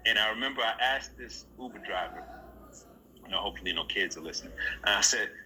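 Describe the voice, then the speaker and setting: A man telling an animated story about acting, leaping up in pitch when he quotes people. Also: fast talker, slight background noise, rough recording. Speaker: actor telling a set story. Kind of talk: casual storytelling.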